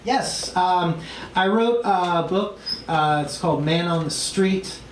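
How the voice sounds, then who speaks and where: A woman's voice: lowish voice, slow pace. Echoey, slightly distant woman guest. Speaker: talk show guest, author. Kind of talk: casual talk show interview. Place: live talk show couch. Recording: echoey room, slightly distant, faint noise.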